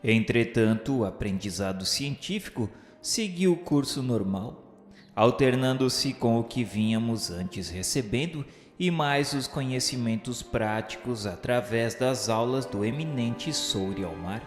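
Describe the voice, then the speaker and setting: A man delivers grandiloquent scripted narration for a radio drama. His medium-pitched voice is solemn and declamatory, phrased like formal literature. It rings with the echo of a large hall, over faint music. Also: animated, measured pace.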